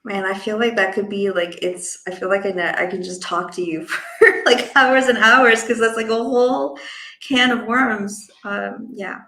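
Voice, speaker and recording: Female host, effusive and informal, mid pitch with plenty of vocal fry, roomy echo. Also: normal speed, pushed and bright. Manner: effusive, uses casual filler words like "like". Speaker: host and event organizer. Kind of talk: casual enthusiastic online interview.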